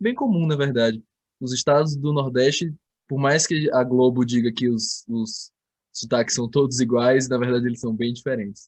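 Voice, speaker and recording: Fairly even intonation from a man speaking at medium pitch and a moderate pace. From Ceará, Brazil (mother from Minas, father from Pará). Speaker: physics teacher. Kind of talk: online class, casual chat.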